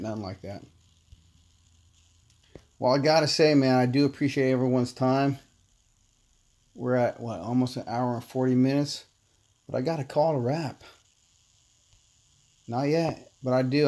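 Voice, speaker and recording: A man casually chatting with viewers while playing a game on a livestream, relaxed and talkative. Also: mid-range voice, moderate pace, pauses often. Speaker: livestream gamer.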